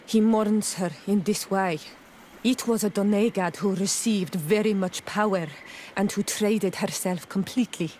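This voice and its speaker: An actress playing an earnest, proud young tribal guide in a video game, explaining things solemnly. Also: female voice, medium pitch, steady tone, a little slow, darkish tone, slight background noise, lightly acted. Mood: solemn, guarded.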